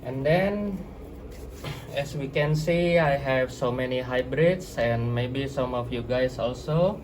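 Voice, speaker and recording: A man with an Indonesian accent, a native Indonesian speaker, hosting an instructional vlog, explaining slowly and sometimes searching for words. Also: medium pitch, background noise. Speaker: plant grower and channel host.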